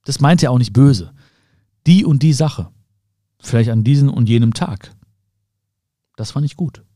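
A man hosting a reflective self-help podcast, speaking calmly and directly to the listener and often rephrasing his thoughts. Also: medium pitch, a little slow, no room sound, clean studio sound. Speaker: podcast host.

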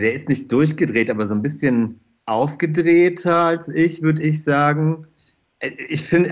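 A man's voice: mid-range voice, lo-fi sound. A middle-aged man speaking as a guest in a casual podcast interview, chatty and often repeating his phrases. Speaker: interview guest, fashion designer.

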